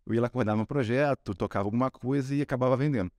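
Carioca man, podcast guest, brisk chatty storyteller, lowish voice, dry close sound. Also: darkish tone, dry recording. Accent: Carioca Brazilian Portuguese. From Rio de Janeiro, Brazil. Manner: chatty storyteller, frequent tag questions. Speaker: guest, sales executive. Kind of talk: casual podcast interview.

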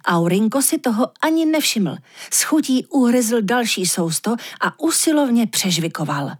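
A woman narrating a fairy tale in a calm, measured audiobook reading. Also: mid-range voice, breathy edge. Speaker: storyteller.

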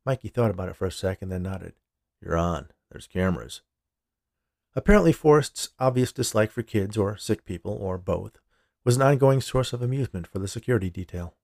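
A man's voice: on the low side, expressive, fast talker, vocal fry, darkish tone, no echo, clean studio sound. A man narrating a scripted short story as the storyteller. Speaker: writer and narrator of a fiction podcast.

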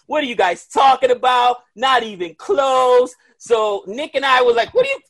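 A high-voiced man from the Dominican Republic chats as a podcast guest over a video call. He tells his story with lively energy and breaks into loud outbursts. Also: moderate pace. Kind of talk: casual chat.

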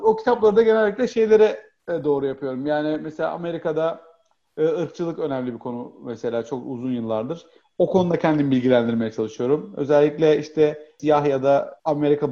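A man's voice: fairly high pitch, mellow, muffled recording. A man chatting as a guest, rambling with many hesitations and fillers. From Turkey. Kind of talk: casual chat.

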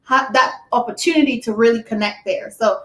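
A woman's voice: on the high side, brisk, a bit bright. A woman from Ghana, a guest talking upbeat and chatty about her work over a video call. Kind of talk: casual interview chat. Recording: echoey room.

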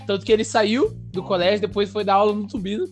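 A man, a podcast co-host telling a school story in an animated, slangy way full of fillers. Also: high-pitched, quick pace, faint music behind. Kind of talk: casual storytelling chat.

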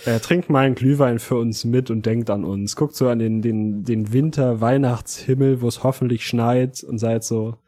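Guy podcast co-host, medium pitch, loose slangy chat. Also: fairly even intonation, normal speed, few pauses, mellow. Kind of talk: casual chat.

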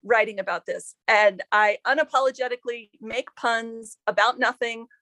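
A woman's voice: fairly high pitch, fairly even intonation, normal speed, sharp tone, no echo. Woman author, thoughtful and dry-sounding. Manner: thoughtful, self-deprecating, many fillers and restarts. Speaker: author and historian. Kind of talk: podcast interview answers.

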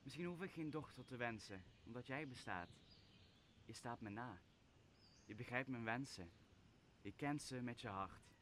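A young man playing a wronged, commanding exiled sorcerer in a Dutch radio play, speaking solemnly and deliberately. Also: medium pitch, lively intonation, a bit bright, slight background noise, close to an everyday voice. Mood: grave, fond. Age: young adult. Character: wronged exiled sorcerer master, brooding and commanding, father figure. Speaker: drama student actor.

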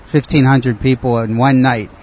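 A middle-aged man whose first language is Italian, telling his story earnestly with many pauses in a casual chat. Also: mid-range voice, fairly even intonation, a crowd in the background, rough recording. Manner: earnest, halting storytelling with fillers. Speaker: guest, police officer and sauce maker.

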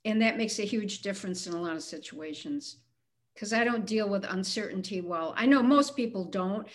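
A woman of seventy speaking as an interview guest, candid and plainspoken, a little self-deprecating. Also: medium pitch. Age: 70s. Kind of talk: casual interview conversation.

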